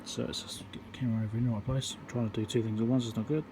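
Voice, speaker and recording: At a workbench indoors, a man casually narrates his own electronics repair, thinking aloud in halting steps with a medium-pitched voice. Steady background hum and room sound fill the recording.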